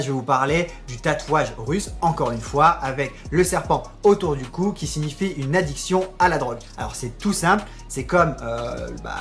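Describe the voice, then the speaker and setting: Chatty French-speaking man hosting a vlog. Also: medium pitch. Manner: chatty, addresses viewers directly, joking asides. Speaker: tattoo YouTuber. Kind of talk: casual explainer vlog.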